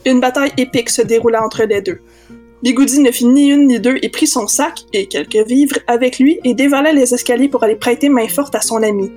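A woman's voice: on the high side, brisk, a little mellow. A woman reading a comic parody story, playful and theatrical. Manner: playful, theatrical, voices many figures. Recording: with medieval background music.

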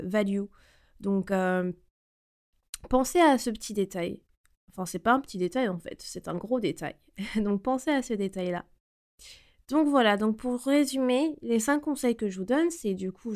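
Woman, late 20s, podcast host; casual solo monologue, halting with fillers and self-corrections. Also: medium pitch, darkish tone. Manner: hesitant, many fillers and restarts, drops English words.

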